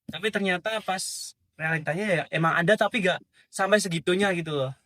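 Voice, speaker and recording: A man's voice: high voice, brisk, sharp tone. A young man from Central Java, a first-year student guest who talks in a joking, laid-back way. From Pati, Central Java, Indonesia. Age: young adult. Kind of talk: casual chat.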